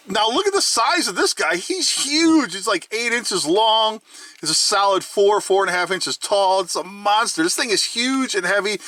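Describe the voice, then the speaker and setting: Animated, high-pitched man reviewing toys. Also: no echo. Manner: enthusiastic, chatty, playful joking. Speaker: toy review host. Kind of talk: casual review chat to camera.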